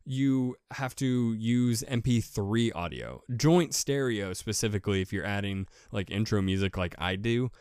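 A man with a deep voice giving a casual, rambling how-to talk as a podcaster, repeating himself with enthusiasm. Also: unhurried, hardly any pauses, a little mellow, clean tone, no room sound, clean studio sound. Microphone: USB desk microphone with pop filter.

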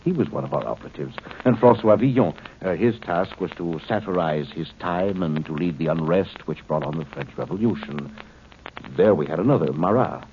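An actor playing a coolly superior alien commander in human form, speaking formally and condescendingly in a 1950s radio drama. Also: male voice, deep voice, lively intonation. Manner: formal, condescending, measured explanations. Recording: tinny, noisy 1950s radio recording.

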